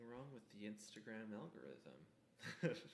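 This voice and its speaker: Vocal fry marks this man's medium-pitched voice, and the room echo is audible. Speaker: podcast host. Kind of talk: casual chat. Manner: halting.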